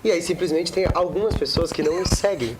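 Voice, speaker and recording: A young man in his twenties talks as a guest, making dry, joking remarks about the script he wrote. Clear clicking noises can be heard behind his voice. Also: high voice, moderate pace, noisy background. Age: 20s. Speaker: writer and performer.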